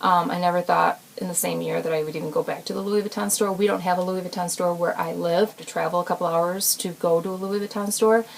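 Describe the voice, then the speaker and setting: A woman speaks in a fairly low pitch with fairly even intonation. Background noise is noticeable. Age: 40s. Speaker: beauty and fashion vlogger. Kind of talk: casual chat.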